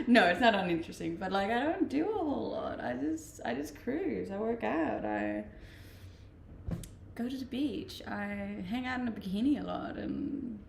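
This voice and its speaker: Gravelly Danish-accented young woman streamer. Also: a little high, roomy sound, slight background noise. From Denmark. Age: 20s. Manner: relaxed, chatty, laughs often. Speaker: livestreamer. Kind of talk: casual chat reading viewer comments.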